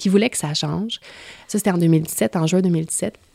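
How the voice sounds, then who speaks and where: In a Quebec accent, a woman talks at a moderate pace with ordinary pitch variation. Her voice is fairly low in pitch, with a dark, mellow tone. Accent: Québécois French. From Quebec, Rosemère. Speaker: musicology professor. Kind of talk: casual chat.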